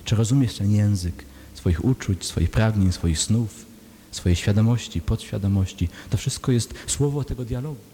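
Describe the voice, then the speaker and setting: Male preacher, low mellow voice, earnest questioning sermon delivery, long hall echo with a faint hum. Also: normal speed. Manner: rhetorical questions, earnest and pleading. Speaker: priest.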